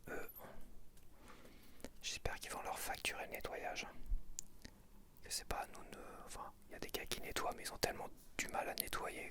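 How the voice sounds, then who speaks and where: A man whispering casual ASMR from his apartment, soft throughout, with grumbling asides. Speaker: ASMR creator.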